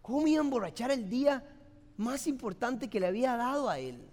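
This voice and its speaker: High-voiced Costa Rican pastor preaching. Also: male voice, lively intonation, brisk, darkish tone. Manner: emotional, impassioned preaching. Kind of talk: sermon. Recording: long hall reverb.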